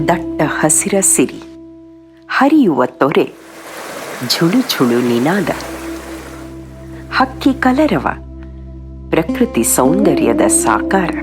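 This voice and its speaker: A woman speaks at very even loudness. Music plays in the background. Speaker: TV anchor. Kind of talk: documentary narration. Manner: graceful, emotional.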